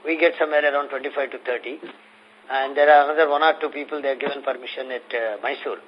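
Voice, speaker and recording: A man with an Indian accent answering investor questions as a company executive on an earnings call, explaining in a halting way. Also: mid-range voice, fairly even intonation. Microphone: conference call phone. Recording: muffled conference phone line with noise.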